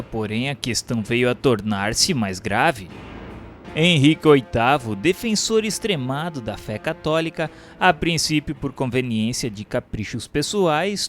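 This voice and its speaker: A man with a Brazilian accent reads scripted historical narration in a formal, solemn, measured delivery. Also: medium pitch. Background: music bed.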